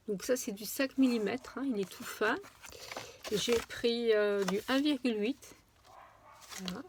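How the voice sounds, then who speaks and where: A woman chatting casually through a craft-supply unboxing, with many pauses and fillers. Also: medium pitch, vocal fry, background noise. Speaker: crafting vlogger.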